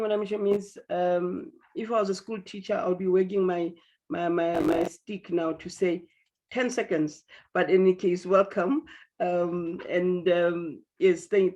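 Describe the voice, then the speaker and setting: A woman's voice: on the low side, mellow. Host: woman chairing a video call, chatty and teasing, muffled lo-fi audio. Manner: chatty, apologetic, teasing, with restarts. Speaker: meeting host. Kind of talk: online meeting moderation.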